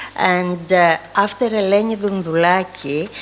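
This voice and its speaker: A woman with a Greek accent speaks at a fairly low pitch for a woman, with noticeable background noise. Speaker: event organiser. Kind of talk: event welcome speech. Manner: halting.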